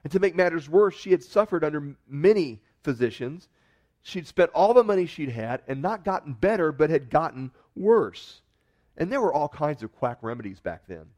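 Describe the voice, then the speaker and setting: A man preaching a sermon, telling a story with expressive swells of emphasis and dramatized quotes. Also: on the high side, normal speed, muffled recording. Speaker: pastor.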